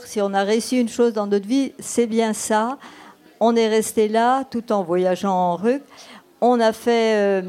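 Speaking with a medium-pitched, dark voice, a woman from Brittany in her eighties, Breton being her first language, answers interview questions as a documentary filmmaker. She recounts her stories unhurriedly while thinking aloud.

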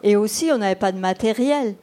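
An elderly woman in her eighties with a warm, mellow tone, whose first language is Breton. She looks back on her work as a documentary filmmaker in an unhurried, storytelling way, thinking aloud as she goes. Her voice sits at a middling pitch. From Brittany. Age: 80s. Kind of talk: reminiscing interview answers.

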